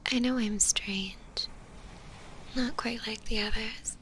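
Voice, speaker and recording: A woman voicing a gentle, lonely stitched-together zombie girl in a whispered ASMR roleplay, with a soft breathy voice and tender, hesitant delivery. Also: on the high side, steady tone, a little hiss or hum, low-quality recording. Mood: soothing, tender. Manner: slow, hesitant, tender delivery with long pauses.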